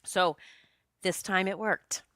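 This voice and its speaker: A woman in her late forties hosting a solo podcast, talking in a chatty, expressive way and joking with her listeners. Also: medium pitch, takes it slowly, no echo. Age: 40s. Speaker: podcast host and psychic medium.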